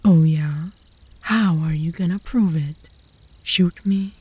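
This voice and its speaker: A woman's voice: fairly low pitch, slow, mellow, slightly rough, no room sound. A woman playing a cocky, possessive young female werewolf who taunts her rival smugly in a comedic ASMR roleplay. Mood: cocky, goading. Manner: smug, taunting.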